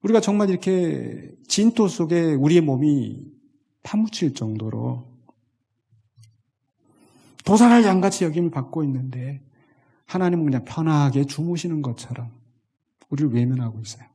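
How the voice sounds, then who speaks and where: A man preaching a Sunday sermon, reading scripture slowly and with feeling in an animated manner. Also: on the high side, creaky, husky. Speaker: pastor.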